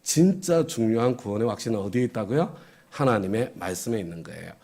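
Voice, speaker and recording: A man's voice: fairly low pitch, lively intonation, brisk, gravelly, warm tone, slightly rough. A middle-aged man preaching a sermon as pastor, conversational, often asking the congregation questions and chuckling.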